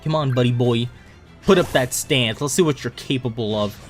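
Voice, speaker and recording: A man's voice: mid-range voice, moderate pace. A man casually commenting on his own mobile game play, rambling and self-mocking with frequent laughs. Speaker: gaming YouTuber. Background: faint game music.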